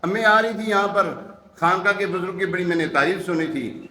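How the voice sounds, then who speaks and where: With a high-pitched, sharp voice and fairly even intonation, a male preacher gives a sermon in Urdu. He tells stories, acts out quoted lines, and asks emphatic rhetorical questions, all in a reverberant space.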